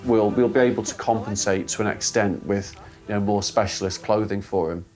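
A man in his thirties, a teacher, interviewed in an office and explaining things in a measured way. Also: fairly low pitch, fairly even intonation, over music. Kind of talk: documentary interview. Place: office indoors.

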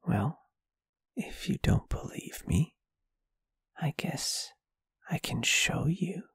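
A performer voicing a shy, gentle, lovestruck ghost in an ASMR roleplay, in a breathy, soft, hesitant and tender whisper. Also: medium pitch, very animated, slow, no room sound, clean studio sound. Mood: flustered, playful. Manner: bashful, tender, hesitant, intimate. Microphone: close microphone, dry.

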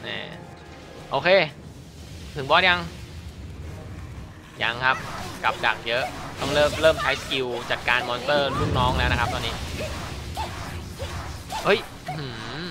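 A man's voice: medium pitch, normal speed, pauses often, music in the background. A man giving casual, chatty commentary while playing a mobile game, muttering to himself as he goes. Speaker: mobile game channel host.

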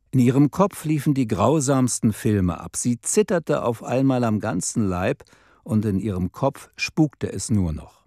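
A man reading a humorous story aloud as an audiobook, animated and expressive. His voice is mellow and dark, and it rises and falls a lot in pitch. The studio recording is close and dry. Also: no room sound. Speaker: narrator.

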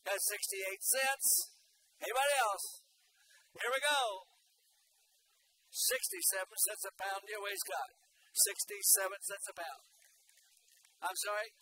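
High, bright older auctioneer man. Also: fairly even intonation, measured pace, pauses often, low-quality recording. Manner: rhythmic, repetitive, folksy. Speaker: livestock auctioneer. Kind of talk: auctioneer chant and announcements. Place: indoor livestock show arena. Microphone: microphone at auction stand. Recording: clear background arena noise.

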